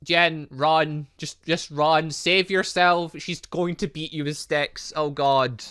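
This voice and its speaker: A man giving excitable let's-play commentary, rambling along with playful, exclamatory asides. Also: on the high side, takes it slowly, smooth. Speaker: gaming channel host.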